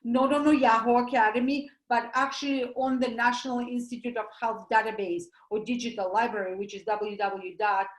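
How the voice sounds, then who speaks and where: A woman with a Russian accent giving an animated, emphatic health talk, explaining things through everyday comparisons. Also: on the high side, fairly quick, few pauses, echoey room, rough recording. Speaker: doctor giving a presentation.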